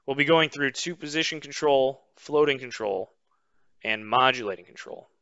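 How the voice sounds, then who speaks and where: A man walks through a recorded webinar lesson, pausing on "um" as he explains each slide. His voice is bright and smooth. The audio is dry and close, with a slightly muffled band. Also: mid-range voice, no room sound. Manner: measured explanatory pace with frequent "um" fillers. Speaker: instructor. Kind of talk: webinar lecture over slides.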